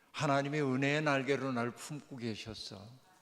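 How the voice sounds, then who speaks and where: At a moderate pace, a man speaks fairly high with fairly even intonation. Room echo is audible. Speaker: pastor. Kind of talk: sermon. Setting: church revival meeting with congregation.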